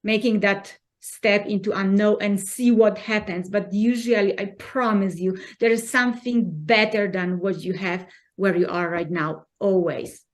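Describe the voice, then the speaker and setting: A woman's voice: mid-range voice, fairly even intonation. Polish-accented woman, earnest and encouraging. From Poland. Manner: earnest, encouraging, halting non-native phrasing. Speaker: guest. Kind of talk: conversational interview.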